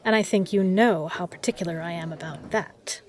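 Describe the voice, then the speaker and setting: A woman playing a self-assured, particular bar regular in an audio roleplay, speaking in measured, formal phrases. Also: on the low side, natural voice. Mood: warm, flirtatious. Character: poised, particular female bar regular, flirtatious and protective. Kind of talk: scripted audio roleplay addressed to the listener.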